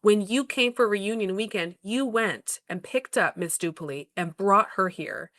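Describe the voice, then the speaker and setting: A woman's voice: mid-range voice, unhurried, a bit bright, no room sound. A woman hosting a podcast conversation, upbeat and steering the talk along. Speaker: podcast host, school principal.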